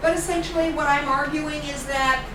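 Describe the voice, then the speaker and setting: A woman speaks loudly. Audible room echo and noticeable background noise fill the recording. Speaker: psychology professor. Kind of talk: lecture.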